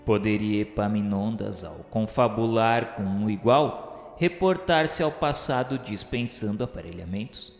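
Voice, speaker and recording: A man's voice: on the low side, measured pace, creaky. A Brazilian man narrating a radio novel in a solemn, formal, declamatory dramatic style. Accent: Brazilian Portuguese. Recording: very echoey hall reverb over music. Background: background music.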